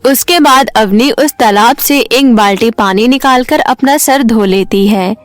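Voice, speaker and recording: A woman with a high voice narrates a children's tale. Her delivery is scripted storytelling. Faint music plays underneath. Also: measured pace, dry recording.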